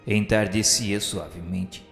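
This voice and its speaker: A man reading a radio novela narration in a solemn, florid, measured literary style. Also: lowish voice, fairly even intonation, gravelly. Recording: echoey long reverb over music. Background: music.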